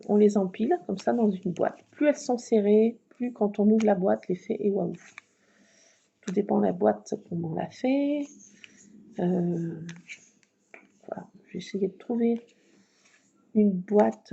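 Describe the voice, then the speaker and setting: A woman chatting through a casual craft tutorial at home at night, keeping her voice hushed and often slipping into a whisper, with rambling asides. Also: mid-range voice, unhurried, vocal fry, slightly rough. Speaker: craft video maker. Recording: muffled lo-fi with faint noise.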